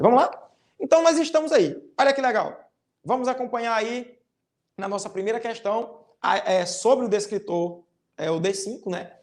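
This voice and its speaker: This is a teacher with a Brazilian accent, talking a class of children through a recorded lesson. The explanations go one careful step at a time, with a tag question closing many phrases. Sample sentences get read aloud with strongly exaggerated rises and falls in pitch. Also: a little mellow. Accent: Brazilian Portuguese. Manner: reads quoted lines with exaggerated intonation. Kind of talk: recorded online class for fifth graders.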